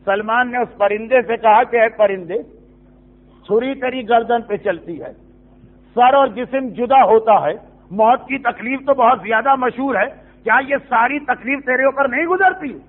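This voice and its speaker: A man delivers a storytelling sermon in a strikingly high voice, acting out quoted exchanges and breaking off for side remarks and rhetorical questions. The sound is narrow and tinny, as if heard over a phone line. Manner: narrates with quoted dialogue, asides and rhetorical questions. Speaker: preacher.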